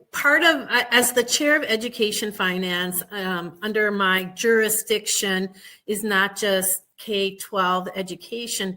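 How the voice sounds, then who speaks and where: A woman state senator talking casually on a radio show, steady and thoughtful with frequent fillers. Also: mid-range voice. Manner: warm, measured, many fillers.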